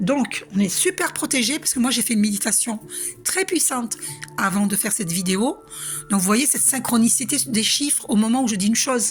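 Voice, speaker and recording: Over background music, a woman with a fairly high voice talks at a fairly quick pace with lively intonation. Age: 60s. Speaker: spiritual medium. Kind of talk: channeled spiritual message monologue. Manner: halting with many fillers.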